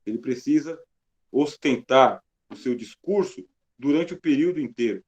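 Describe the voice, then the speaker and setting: A man's voice: medium pitch, lively intonation, moderate pace, a little mellow. A Brazilian man with a Brazilian Portuguese accent, giving an emphatic classroom lecture on reading scripture and asking and answering his own questions. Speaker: Bible teacher. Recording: slightly dull lo-fi sound.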